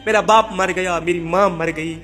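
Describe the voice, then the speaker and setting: A man's voice: sits high, fairly even intonation, sharp tone. A man voicing a mistreated wife who pleads through tears, in a repetitive lament, in a religious storytelling video. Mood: pleading.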